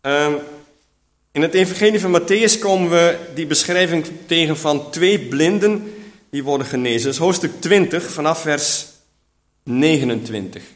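Brief: male preacher, fairly high voice, relaxed Bible teaching, keeps asking if listeners follow. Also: moderate pace. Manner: chatty, keeps checking in with listeners.

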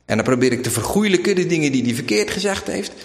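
Dutch preacher in an echoing hall. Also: male voice, on the high side, animated, fast talker. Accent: Zeeuws-Vlaams Dutch. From Zeeland, Netherlands. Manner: storytelling, shifting into quoted voices, emphatic. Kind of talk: sermon. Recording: echoey hall with long reverb.

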